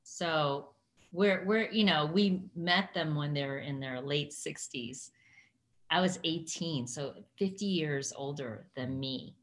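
A woman from the United States in her sixties, with a deep voice and slow pace, is a guest in a casual interview. She tells stories conversationally and laughs often.

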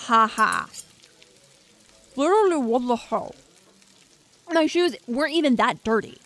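A woman's voice: a little high, lively intonation, unhurried, a bit bright. An actress playing a brash, sarcastic young woman scientist in an audio drama, slangy, sweary and defensive. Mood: exasperated ranting. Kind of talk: audio drama acting, naturalistic banter.

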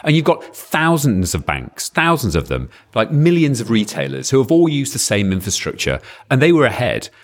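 A man's voice: mid-range voice, wildly swooping pitch, moderate pace, hardly any pauses. A man on a casual panel chat, explaining his point in an emphatic way.

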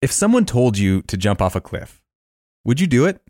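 A man's voice: mid-range voice, very animated, normal speed, darkish tone, no room sound, studio quality. A man hosting a podcast, reading a scripted promo in a playful, conversational way. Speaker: podcast host. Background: music.

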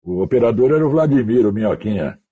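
A man from Mato Grosso do Sul tells slangy radio anecdotes over an online call. His voice is very husky and dark, fairly low, and swings widely in pitch as he acts out the people in his stories. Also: quick pace. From Mato Grosso do Sul, Brazil. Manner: animated anecdotes, acting out quoted voices, slangy. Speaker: guest, radio announcer. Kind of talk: casual storytelling.

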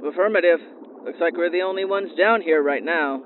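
A steady, alert deep-sea diver, as a man plays him, sends clipped field reports over his helmet radio intercom. His voice sits high and bright in a squeezed, phone-thin band, with steady static hissing underneath it. The tone stays professional and to the point the whole way through. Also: brisk. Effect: helmet radio intercom, diving suit comms. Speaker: diver on an exploration team. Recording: tinny radio comms with static.

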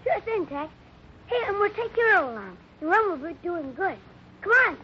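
Seeking earnest, eager cowboy kid, high voice, vintage radio drama sound, a little muffled. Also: male voice, very animated, normal speed. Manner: earnest, gee-whiz. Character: eager, wholesome young ranch boy. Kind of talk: 1950s radio acting. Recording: muffled, noisy old radio recording.

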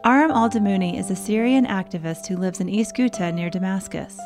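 Female narrator over soft music. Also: mid-range voice, brisk. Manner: even, informative delivery. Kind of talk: scripted narration. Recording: faint music underneath.

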